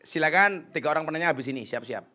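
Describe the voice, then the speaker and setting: A middle-aged man preaching in Indonesian, joking with his audience and swinging between soft asides and loud emphasis. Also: a little high, expressive, quick pace. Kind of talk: lively sermon to a crowd.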